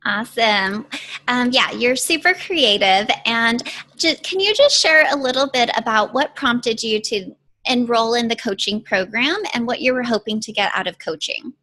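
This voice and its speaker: Bright, high-voiced woman coach. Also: expressive, moderate pace. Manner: encouraging, enthusiastic. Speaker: career coach interviewing a client. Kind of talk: upbeat interview questions.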